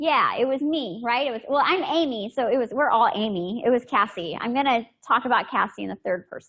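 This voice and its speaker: In an American accent, a woman talks at a fairly quick pace. Her pitch is high, with very wide swings. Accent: Southern US, currently strong. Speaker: university research administrator, trainer. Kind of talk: software training presentation.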